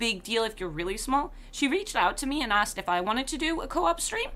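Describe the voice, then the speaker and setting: Speaking very fast in a raised, projected voice, a woman has a high pitch, very wide pitch swings and a bright, sharp tone. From Switzerland. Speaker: game streamer. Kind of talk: live gameplay stream chat. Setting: livestream. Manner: casual, rambling.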